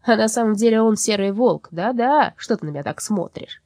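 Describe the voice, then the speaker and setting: A scheming black soul with a sugary, sly tongue, as a woman reading a storybook puts her on. Her voice rises high and swings about in a close, dry recording with a husky edge. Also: animated, fairly quick, a little mellow, dry recording. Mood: falsely sweet. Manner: falsely sweet, slanderous, sly. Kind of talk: storybook character voice.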